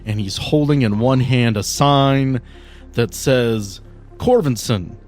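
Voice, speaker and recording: A man's voice: mid-range voice, slow pace, a little mellow, soft background music. A man narrating casually as game master, improvising in an informal, sweary way with hesitant phrasing. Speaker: game master of a tabletop RPG podcast.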